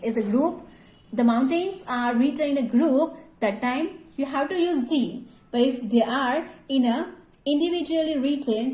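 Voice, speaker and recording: A woman's voice: on the high side, dark tone, roomy sound, low-quality recording. A woman teaching grammar to schoolchildren, often checking in with "yes" and calling on the students. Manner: addresses students directly, repeats "yes" as a check. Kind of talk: classroom grammar lesson.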